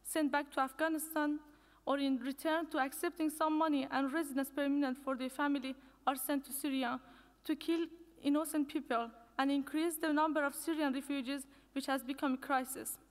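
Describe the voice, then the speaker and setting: High-voiced young woman speaking in a hall. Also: steady tone. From Iran. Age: young adult. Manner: measured, earnest, reads from notes with restarts. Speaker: conference speaker. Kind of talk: prepared speech. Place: conference hall. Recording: long reverb of a lecture hall.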